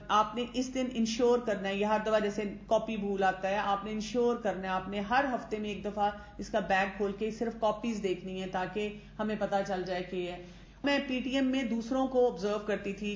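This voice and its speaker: A woman's voice: mid-range voice, a little hiss or hum. A woman training teachers in a conversational lecture, mixing English words into her talk and acting out what parents and teachers say. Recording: echoey room, dull lo-fi sound.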